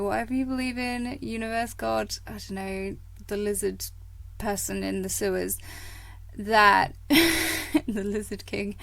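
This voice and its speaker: Slow, gravelly-voiced woman podcast host. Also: medium pitch, dry recording. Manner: chatty and rambling, many fillers and laughs. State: croaky from a coming cold. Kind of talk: casual motivational podcast monologue.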